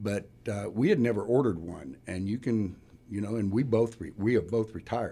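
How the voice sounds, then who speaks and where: A dark, mellow tone with an American accent, at a moderate pace. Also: man. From Indianapolis, Indiana. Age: 60s. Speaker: retired autoworker and car enthusiast. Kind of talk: interview.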